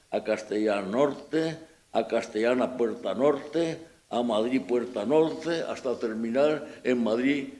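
A man with a Peninsular Spanish accent addresses an audience at a book presentation in a loose, unscripted way. He keeps stumbling and restarting, repeating small words as he searches for the phrasing, and gives his remarks a critical, ironic edge. His voice sits at an ordinary middle pitch for a man. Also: dark tone. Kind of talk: informal public talk.

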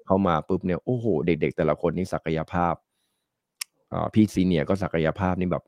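Stuffy-nosed from a cold, this middle-aged man speaks in a low-pitched, slightly mellow voice at a moderate pace, with no room sound. As a market analyst guest on a talk show, he rambles chattily and laughs a lot.

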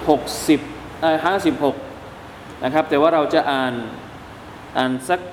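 A man teaching a weekly Quran exegesis class, explaining calmly and politely in a mosque hall. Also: fairly high pitch, normal speed. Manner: calm, polite explaining with frequent soft tag words. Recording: echoey mosque hall, faint background noise.

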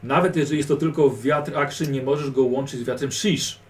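A man's voice: medium pitch, steady tone, a little fast. A man running a tabletop role-playing game, coaching a player's character in a patient, instructive manner. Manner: patient, instructive, drill-like repetition. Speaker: game master. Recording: distant mic with background noise.

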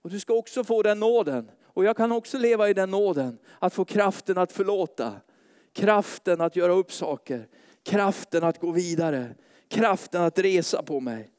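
Fervent high-voiced male preacher. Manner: fervent, rising to loud pleading prayer. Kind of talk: sermon and spoken prayer. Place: church meeting hall.

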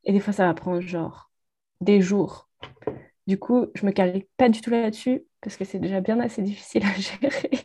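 Mellow husky woman, dry close sound. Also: mid-range voice, steady tone, normal speed. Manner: laid-back, slangy, laughs. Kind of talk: casual podcast chat.

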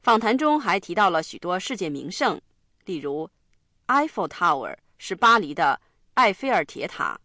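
A woman hosting a radio English lesson, explaining phrases in a clear, instructive way. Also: on the low side, very animated, moderate pace, bright, forceful tone, no room sound. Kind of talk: scripted lesson narration.

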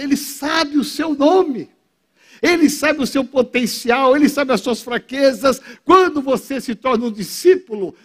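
A male pastor with a very high voice delivers an emphatic sermon in church. He speaks slowly and deliberately into a microphone, stopping often to call for an amen from the congregation. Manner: emphatic preaching, calls for amens. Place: church service.

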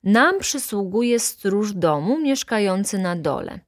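A woman's voice: medium pitch, lively intonation, slow, dry recording, clean studio sound. A woman voicing an insolent young male student who speaks with sugary, mocking sweetness. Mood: sly.

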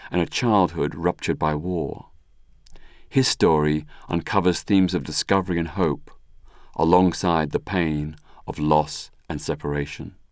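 Deep-voiced man introducing a story. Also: a little mellow, no room sound, clean studio sound. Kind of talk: scripted narration introducing a story.

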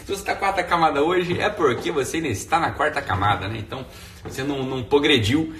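A quick, bright-voiced man with a Brazilian Portuguese accent rambles casually through a live stream from home. He speaks a little above the usual male pitch and sits back from the mic in an echoey room. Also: recorded from a distance, a little hiss or hum. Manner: rambling, slangy, tags sentences with "né".

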